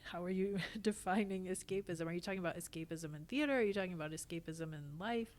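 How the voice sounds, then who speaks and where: A woman's voice: on the low side, fast talker, darkish tone. A woman speaking as a podcast guest in casual, reflective conversation, with an earnest, emphatic way of talking. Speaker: podcast guest, theatre actor and company founder.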